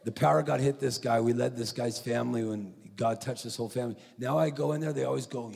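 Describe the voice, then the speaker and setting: A man preaching at a conference, telling a story with animated, acted-out quotes. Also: mid-range voice, fast talker, vocal fry, husky. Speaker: conference speaker. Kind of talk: preaching sermon. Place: large conference hall. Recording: echoey hall.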